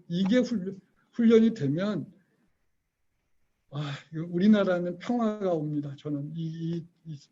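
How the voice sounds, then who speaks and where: A man's voice: high voice, dark tone, breathy edge, muffled recording. A man teaching an online parenting lecture, telling stories, acting out quoted voices and quizzing his listeners. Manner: storytelling, acts out quoted voices, quizzes the audience.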